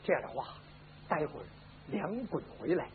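A male storyteller voicing a loyal, cautious old steward who speaks slowly and humbly, on a lo-fi recording. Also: a little high, animated, pitched below the performer's own voice, lightly acted. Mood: urgent. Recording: lo-fi phone-like band with faint hiss.

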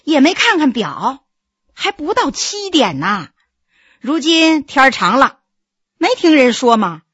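A woman's voice: sits high, very animated, a little slow, fairly bright tone, no echo, dull audio, exaggerated voice. A woman voicing a coquettish young noble wife who teases and chides her husband in a storybook reading. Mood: coquettish, chiding. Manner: coquettish, scolding, chatty.

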